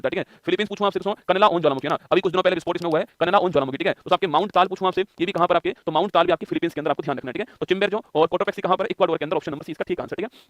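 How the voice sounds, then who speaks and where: A man teaching an online exam-prep lesson, quizzing his viewers in a rapid, repetitive way. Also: sits high, dry recording.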